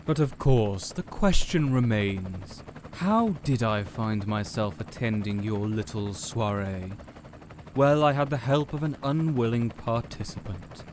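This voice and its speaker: Smug male villain mastermind played by a man, cold, sneering, unhurried theatrical delivery for audio roleplay, noisy background. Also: on the low side, a little mellow, close to an everyday voice. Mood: smug, mocking. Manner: slow, sneering, theatrical monologue.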